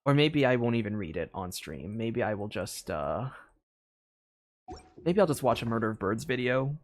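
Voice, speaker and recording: A young man streaming a story game, thinking out loud in a loose, rambling way with lots of filler words and restarts. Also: mid-range voice, very animated, normal speed. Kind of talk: casual live-stream commentary.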